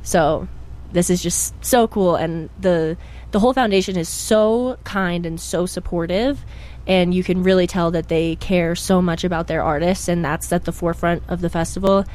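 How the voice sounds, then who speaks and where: Young woman guest, chatty and bubbly, pitched a little low, casual interview. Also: moderate pace, a little mellow. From Pennsylvania. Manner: bubbly, chatty, full of fillers. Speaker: guest musician.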